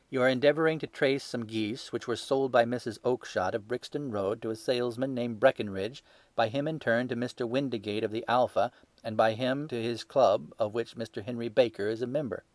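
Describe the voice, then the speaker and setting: An assured gentleman detective speaks blandly and courteously, a man voicing him. His delivery is measured and never hurried. The recording is dry, with no room around it. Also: medium pitch, dry recording, lightly acted. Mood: calm. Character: calm, urbane male detective, bland and assured.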